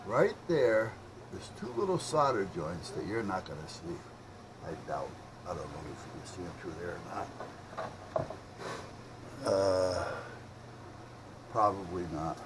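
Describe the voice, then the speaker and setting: A man chatting casually and rambling as he thinks out loud while doing hobby radio repair. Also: deep voice. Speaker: hobbyist radio repairer showing his work. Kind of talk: casual unscripted vlog chat while working. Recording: clearly noisy hobby video recording.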